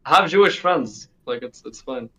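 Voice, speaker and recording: A man's voice: medium pitch, lively intonation, moderate pace, fairly bright tone. A sixteen-year-old male interview guest from the United Arab Emirates, talking casually and repeating himself for emphasis, over dull call audio. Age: teens, sixteen.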